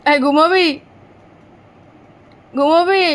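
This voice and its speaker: A young mother, hoarse and sleepy after a night awake, talking sing-song baby talk to her infant. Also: extremely high pitch, fairly even intonation, extremely slow.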